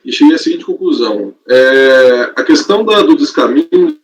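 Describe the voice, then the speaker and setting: A man with a Brazilian Portuguese accent arguing his vote in a formal hearing, halting and restarting, his voice cutting out over a video call. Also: a little high, huge pitch swings, gravelly. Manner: halting, many restarts and repeated words. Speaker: board member giving his vote. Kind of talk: formal legal argument. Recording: far from the mic on a video call.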